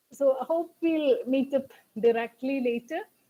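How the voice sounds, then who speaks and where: With a Keralan accent, a woman speaks at a high pitch in a dark, mellow tone, her pitch varying in an ordinary way. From Kerala, India. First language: Malayalam. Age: 40s. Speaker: civil servant, guest speaker. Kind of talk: motivational talk. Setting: webinar video call.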